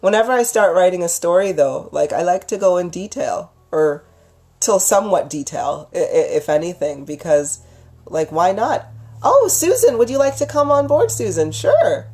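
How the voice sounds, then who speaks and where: A woman's voice: on the low side, big pitch swings, normal speed, a little mellow. A woman hosting a casual livestream, chatting informally and gushingly with viewers as a storyteller, using affectionate endearments. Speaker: livestream host, storyteller and psychic healer.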